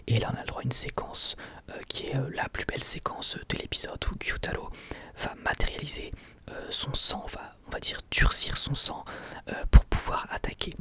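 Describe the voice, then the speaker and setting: A man's voice: normal speed, sharp tone, no echo. A man whispering an informal, hesitant ASMR-style review. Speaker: ASMR YouTuber reviewing anime.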